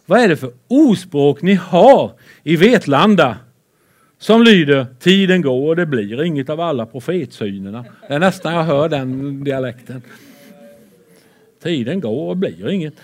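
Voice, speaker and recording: A man preaching a lively sermon with Bible readings, excitable and playful, swinging between loud and soft. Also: a little high.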